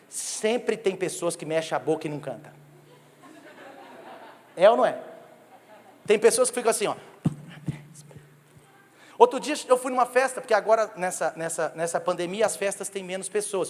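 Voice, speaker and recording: Brazilian man, pastor preaching, high voice, playful animated sermon, long church-hall reverb. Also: moderate pace, pauses often. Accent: Brazilian Portuguese. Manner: humorous, animated storytelling that jokes with the congregation. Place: church sanctuary.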